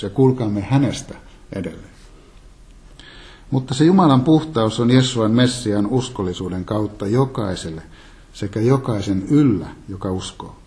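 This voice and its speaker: Calm, low-voiced man preaching. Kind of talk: Bible teaching sermon.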